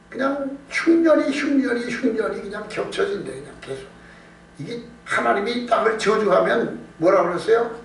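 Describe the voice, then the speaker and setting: Speaking in a high, fairly bright voice, this pastor delivers an evening-service sermon in Korean with a conversational feel. He stresses his points, repeats phrases and poses questions he then answers. It's an indoor service captured from afar in an echoing room, with noise and hum.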